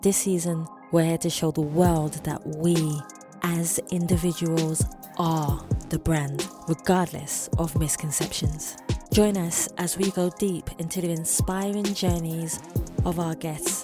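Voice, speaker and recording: Music plays in the background. A woman with a fairly low pitch talks at a fairly slow pace with fairly even intonation. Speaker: podcast host. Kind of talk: podcast intro.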